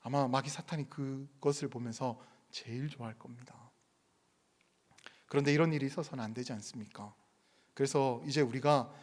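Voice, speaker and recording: A man's voice: medium pitch, long reverb tail. A male pastor preaching a sermon, chatty and storytelling at first, then earnest and urging. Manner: conversational storytelling, rising to earnest exhortation. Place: church sanctuary.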